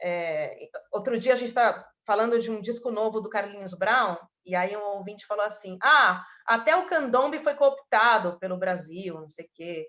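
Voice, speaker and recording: A woman speaks with lively intonation. Her loudness swings widely. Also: fairly high pitch for a woman, moderate pace. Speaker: journalist, columnist. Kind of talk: talk in an online event, lecture-like chat. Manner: casual with many fillers.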